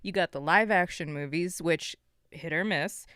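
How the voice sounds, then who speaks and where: A woman with a fairly low, clean and smooth voice talks casually on a gaming live stream. She gives her opinions conversationally, and the sound is close and dry. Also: moderate pace, fairly bright tone, no room sound. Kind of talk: casual opinionated panel chat.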